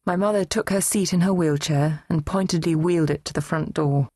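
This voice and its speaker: A woman reading a novel aloud in first person, measured and composed. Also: deep voice, dark tone, no echo. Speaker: audiobook narrator. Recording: dry, close studio read.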